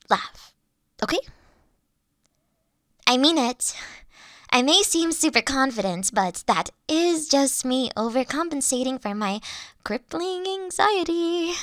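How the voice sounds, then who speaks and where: A woman's voice: high voice, creaky, dry recording, clean studio sound, full character voice. A woman playing an eager, anxious young college dragon in a roleplay audio drama, gushing and rambling, stammering when flustered. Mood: shy, nervous.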